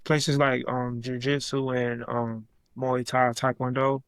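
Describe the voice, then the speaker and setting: A man's voice: medium pitch, little pitch movement, slow pace, fairly bright tone, clear, resonant tone, no echo. A man who is a professional boxer, speaking as a guest on a podcast in a laid-back, plain-spoken way with casual slang. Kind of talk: casual interview answers.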